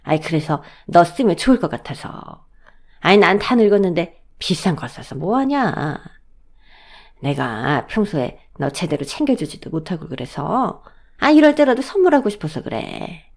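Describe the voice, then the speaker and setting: A woman's voice: on the low side, sing-song, vocal fry, a little mellow, heavily acted. A woman doing a nagging old mother-in-law. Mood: doting. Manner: scolding, drawn-out nagging. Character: older mother-in-law, stubborn and favoring.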